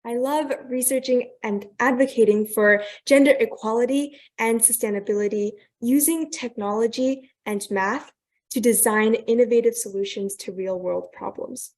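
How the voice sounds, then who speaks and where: A woman's voice: fairly high pitch, moderate pace, a little mellow. A young woman, a student, giving an earnest, polished presentation over a video call. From Thailand, raised in New York. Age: young adult. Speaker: guest speaker.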